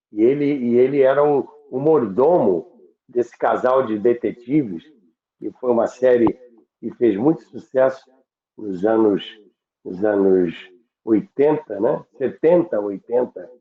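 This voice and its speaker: A man with a Brazilian accent hosting and reminiscing in conversation, haltingly, repeating words for emphasis. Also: mid-range voice. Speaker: radio history show host. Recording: roomy, phone-like connection.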